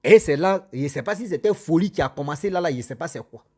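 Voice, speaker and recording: Slightly high-voiced male storyteller. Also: fast, breathy edge. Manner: animated, repetitive, addresses listeners directly. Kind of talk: casual spoken storytelling.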